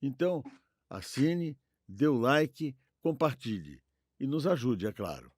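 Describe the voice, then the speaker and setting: A man's voice: mid-range voice, sing-song, takes it slowly, a little mellow, slight background noise. A man with a Brazilian accent hosting a podcast in a conversational way. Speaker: host.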